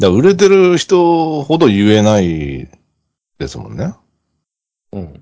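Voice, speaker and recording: A man with a fairly low pitch talks at a fairly slow pace, making long, frequent pauses, with very wide pitch swings and big swings in loudness. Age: 30s. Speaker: podcast co-host, guest this week. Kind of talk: casual chat.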